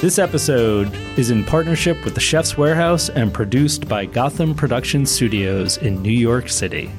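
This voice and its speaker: A man's voice: mid-range voice, lively intonation, normal speed, over music. A man co-hosting a food podcast, chatting enthusiastically and asking a guest questions. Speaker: podcast co-host. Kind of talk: conversational interview hosting. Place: venue on a city pier.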